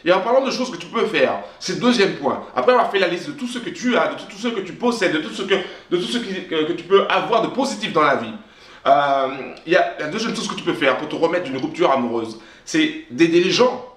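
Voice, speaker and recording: A man's voice: fairly high pitch, lively intonation, a little fast, fairly bright tone, reverberant. A man giving a motivational talk straight to camera, emphatic and repetitive, often restarting his phrases. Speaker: self-help vlogger.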